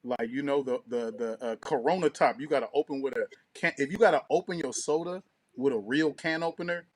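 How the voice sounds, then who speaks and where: Male co-host, mid-pitched, casual and profane, slangy, acts out quotes, recorded very dry. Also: fairly quick, dry recording. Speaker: podcast co-host. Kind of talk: casual chat.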